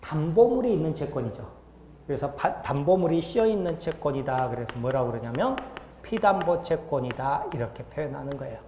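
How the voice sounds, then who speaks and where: Man, law lecturer, lively pitch, mellow tone, roomy echoey lecture hall, faint room hum. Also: fairly quick. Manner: asks the class frequent check-in questions. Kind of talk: classroom lecture.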